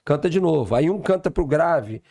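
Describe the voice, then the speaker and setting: A man's voice: on the high side, animated, moderate pace, gravelly, mellow, no echo. A man, a samba songwriter chatting and telling stories on a podcast. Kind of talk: casual podcast chat.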